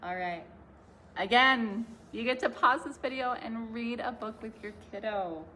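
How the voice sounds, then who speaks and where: A woman's voice: fairly high pitch, moderate pace, a bit bright, a little hiss or hum. A young woman, a children's librarian, leading a class video with book picks, clapping games and finger-play songs in a cheerful sing-song way.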